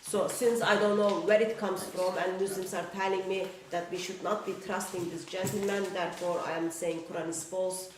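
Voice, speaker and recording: A woman on a panel making a prepared argument in a measured, deliberate way. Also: fairly low pitch, fairly even intonation, crowd noise. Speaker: panel guest. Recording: roomy, distant mic, faint noise.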